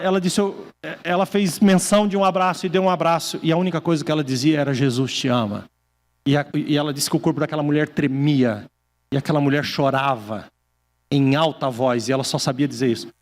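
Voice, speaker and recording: A male pastor preaching a sermon, telling stories, acting out quoted voices and slowing down for emphasis. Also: fairly high pitch, in a large hall. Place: church hall.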